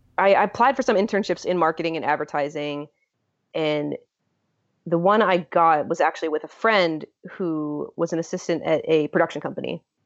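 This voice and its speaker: Using a plain, everyday voice, a woman with an American accent speaks at a fairly quick pace with a fairly low pitch and ordinary pitch variation. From Virginia, US (raised partly abroad). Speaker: animation writer. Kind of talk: interview conversation.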